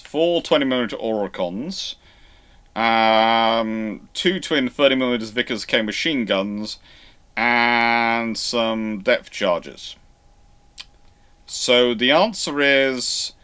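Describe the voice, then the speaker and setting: A man hosting a live question-and-answer session, answering off the cuff in a halting way, often restarting his sentences as he thinks aloud. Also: medium pitch, bright, forceful tone, smooth. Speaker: host of naval history live Q&A.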